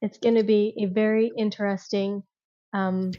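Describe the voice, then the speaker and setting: A woman's voice: medium pitch, flat delivery, moderate pace. A woman hosting a group video call, talking loosely with many fillers and restarts. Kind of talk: casual group chat. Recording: dull lo-fi call audio.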